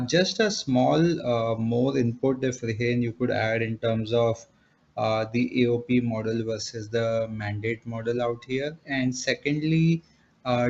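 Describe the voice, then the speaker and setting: A man asking business questions as an analyst on an earnings call, politely and somewhat hesitantly, in a roundabout way. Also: medium pitch. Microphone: conference call line. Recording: dull conference phone line, noisy background.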